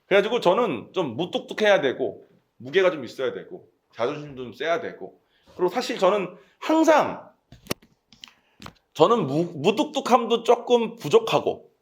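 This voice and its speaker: A man's voice: sits high, big pitch swings, moderate pace. A talkative man with a Gyeongsang accent, preaching a casual, conversational sermon and often checking in with his congregation. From Gyeongsang region, South Korea.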